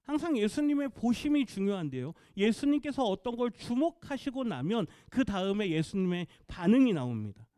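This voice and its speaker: Animated man preaching a sermon. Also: sits high, moderate pace, hardly any pauses, clear, resonant tone, no echo, studio quality. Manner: lively, animated preaching with rhetorical questions and acted-out quotes. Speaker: pastor. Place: church sanctuary.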